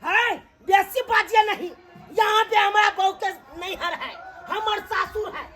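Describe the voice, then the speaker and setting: A woman with a Maithili accent playing an indignant young husband in a village comedy skit, loud and scolding. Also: very high-pitched, fairly even intonation, moderate pace, a faint crowd. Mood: angry.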